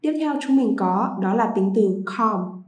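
A woman teaching a vocabulary lesson to pupils, repeating each English word slowly before explaining it. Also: mid-range voice, lively intonation, darkish tone, reverberant, rough recording.

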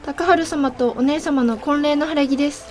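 A woman's voice: high voice, moderate pace, darkish tone, faint music behind, close to an everyday voice. A woman playing a devoted young princess, a younger sister, in a period voice drama. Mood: polite. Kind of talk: Japanese period voice drama acting.

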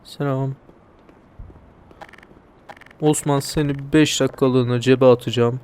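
A man's voice: medium pitch, fairly even intonation, takes it slowly, a little mellow, clean tone. A young man casually commenting on a video game, joking and talking back to the characters and the viewers. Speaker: let's play commentator.

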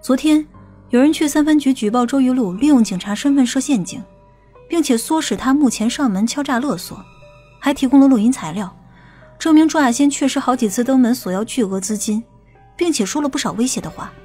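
A woman playing a stern, knowing female investigator in an audiobook, with a brisk, assertive manner. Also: high voice, animated, dark tone, slightly rough, soft background music. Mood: explaining. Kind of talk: audiobook character dialogue.

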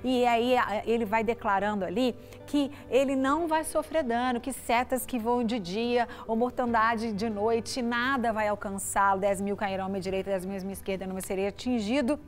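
Faint music plays behind a middle-aged pastor with a Brazilian Portuguese accent as she delivers a short devotional on a TV studio set, speaking into a lapel mic. She addresses the viewer conversationally, frequently adding "né?", in a slightly high voice at normal speed with few pauses.

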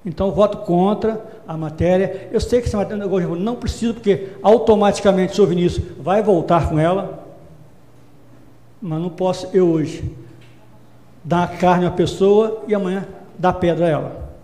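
A man's voice: high voice, moderate pace, warm tone. A man, a city councillor, giving a formal floor speech in a council chamber and earnestly repeating his position. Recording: echoey hall with long reverb.

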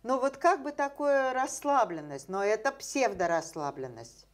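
A woman's voice: a little high, moderate pace. Older woman explaining science animatedly. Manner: animated, gesturing, many fillers and rhetorical questions. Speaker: scientist guest. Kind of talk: explanatory interview talk. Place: dim indoor room with bookshelves.

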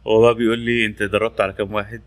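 A man's voice: fairly low pitch, little pitch movement, racing. A man with an Egyptian Arabic accent presents a casual tech tutorial, repeating labels as he demonstrates a training tool. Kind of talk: casual screen-recorded tutorial.

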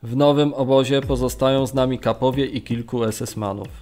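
An actor reading as a Polish camp prisoner bearing witness in an audio drama, sombre, earnest and measured. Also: male voice, mid-range voice, fairly even intonation, darkish tone, lightly acted. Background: music.

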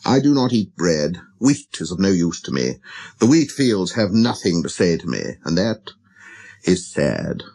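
Man voicing a low, wistful storybook fox. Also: sing-song, a little slow, mellow, exaggerated voice. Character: lonely, gentle, wistful wild fox. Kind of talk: storybook character reading.

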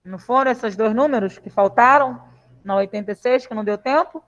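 Patient Brazilian teacher on a dull call. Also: female voice, a little high, brisk. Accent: Brazilian Portuguese. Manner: patient, reassuring, coaxing questions. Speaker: primary school teacher. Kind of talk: live online class with children. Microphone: video call. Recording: lo-fi video call audio.

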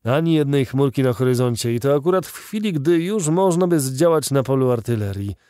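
A man's voice: mid-range voice, expressive, fairly quick, warm tone, no echo, studio quality, pitched above the performer's own voice, natural voice. A man reading the lines of an indignant old male artillery veteran in a fervent, declamatory audiobook voice.

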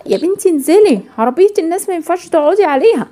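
Lady doing a bossy little egyptian girl, scolding, squeaky high. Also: lively intonation, very fast, warm tone. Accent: Egyptian Arabic. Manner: scolding, matter-of-fact.

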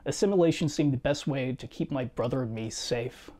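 A man in his thirties reading a scripted personal video essay in a measured, reflective way, seated in a small home studio. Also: medium pitch. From United States. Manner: measured, reflective storytelling with quiet asides. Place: small home studio room with guitars and shelves.

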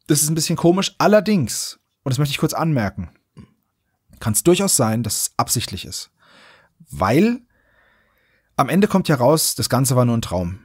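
A man's voice: medium pitch, big pitch swings, moderate pace, pauses often, slightly rough, no room sound, clean studio sound. A man hosting a podcast, recapping a story in casual, colloquial chat with mock-indignant asides. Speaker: podcast host. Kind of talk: casual chat, recapping and commenting on an audio drama.

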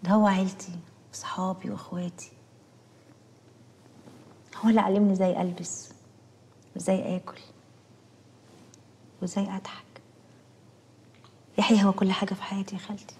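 An actress with an Egyptian accent playing a devoted, anxious young wife who pleads emotionally. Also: female voice, mid-range voice, flat delivery, moderate pace, pauses often, a little mellow, natural voice. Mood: pleading. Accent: Egyptian Arabic. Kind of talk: TV drama acting.

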